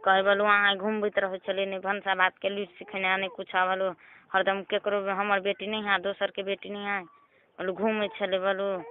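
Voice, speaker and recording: A woman with a Maithili accent chatting casually on a phone call, recounting things by quoting what people said. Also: medium pitch. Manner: recounts household quarrels by quoting dialogue. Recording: tinny narrowband phone line, some noise.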